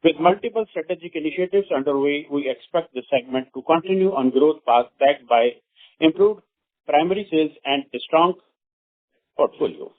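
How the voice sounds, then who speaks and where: A man's voice: fairly high pitch, moderate pace. A man with an Indian accent formally reads prepared company remarks on a conference call, stumbling now and then. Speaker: company executive. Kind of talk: scripted earnings call presentation. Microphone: phone conference call. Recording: narrow, tinny phone conference line.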